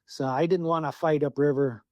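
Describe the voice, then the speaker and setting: A man from Southwest Alaska recounts a hard trip in loose, salty storytelling, swearing easily and slipping into his own remembered thoughts. His voice sits somewhat high for a man. The sound is close and dry, with no room around it. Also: fairly even intonation, moderate pace, darkish tone, dry recording. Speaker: podcast guest. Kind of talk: casual storytelling.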